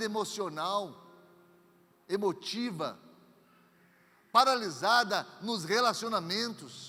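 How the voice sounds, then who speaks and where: A man speaks in a raised, projected voice with a high pitch. His tone is bright and sharp, and his intonation is lively. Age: 60s. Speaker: pastor. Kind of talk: sermon.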